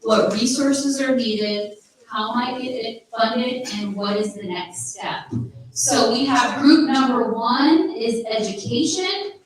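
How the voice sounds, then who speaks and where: A woman leads a workshop in a big conference room with an upbeat, encouraging delivery, repeating her instructions. Her fairly high voice rings back from the walls and sits at a distance from the mic. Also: slow pace. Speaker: workshop facilitator. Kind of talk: leading a live workshop. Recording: echoey room, voice from far off.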